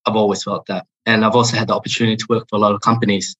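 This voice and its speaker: A man in his thirties from Australia with an Australian accent, a podcast guest talking in a relaxed, reflective way with many fillers. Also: on the low side, rapid-fire. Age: 30s. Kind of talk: interview podcast.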